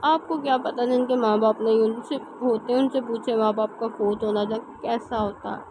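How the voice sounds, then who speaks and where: A woman voicing a timid, innocent young bride who speaks softly and hesitantly, close to tears. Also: on the high side, steady tone, noisy background, natural voice. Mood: tearful. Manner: soft, hesitant, weepy.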